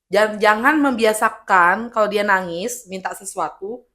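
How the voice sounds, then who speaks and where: A middle-aged woman with a hoarse voice from illness, telling stories as a guest in a casual interview and acting out quotes. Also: medium pitch, measured pace. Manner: lively, animated storytelling with acted quotes. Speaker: guest speaker, army officer's wife.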